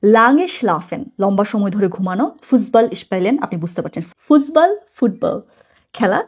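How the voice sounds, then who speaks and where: A woman's voice: mid-range voice, expressive, brisk, breathy edge. A woman teaching German from a textbook, chatty, explaining words step by step and correcting herself as she goes.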